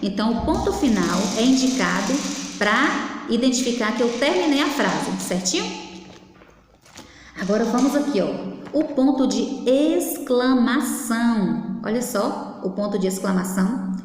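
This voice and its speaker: A woman's voice: on the high side, lively intonation, moderate pace, a little hiss or hum. A woman teaching a class for young children, in a patient sing-song manner that keeps prompting them to look. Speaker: primary school teacher. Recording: echoey, reverberant room.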